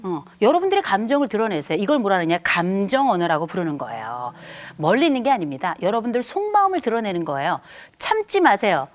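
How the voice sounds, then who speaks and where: Middle-aged lady giving a chatty family lecture, voice all over the place, acts out quotes. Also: mid-range voice. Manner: animated, acts out quoted speech, chatty asides; slows down for key maxims. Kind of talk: lively lecture to an audience.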